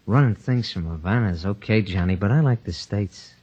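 An actor playing an eager, toadying, wisecracking gangster henchman with a husky voice in an old radio drama. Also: fairly low pitch, a little fast, darkish tone, lo-fi sound. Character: eager, fawning gangster henchman, a cocky thug. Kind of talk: 1950s radio crime drama acting.

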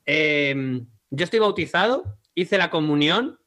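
A man from Spain with a Spanish accent and a very bright, sharp voice. He speaks a little higher than most men. He tells dry, wry anecdotes in a relaxed comedic conversation. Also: takes it slowly. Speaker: guest comedian. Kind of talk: casual comedic chat.

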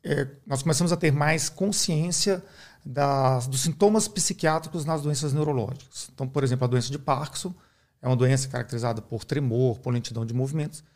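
A middle-aged man from Brazil speaks as a podcast guest, walking through medical ideas in a calm, teacherly way. His voice sits in an ordinary middle register, and he keeps checking in with the listener as he goes. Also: mid-range voice. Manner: measured, didactic, uses many "né?" tags. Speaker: neurologist guest. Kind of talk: explanatory podcast interview.

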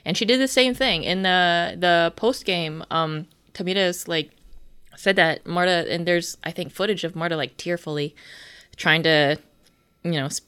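A woman co-hosting a casual sports podcast, chatty with lively asides and fillers. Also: on the low side, moderate pace, clean tone. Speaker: podcast co-host.

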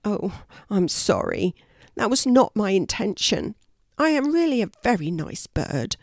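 A woman's voice: medium pitch, sing-song, measured pace, dry recording, clean studio sound. A woman voicing a meek, apologetic male blackbird in a children's story.

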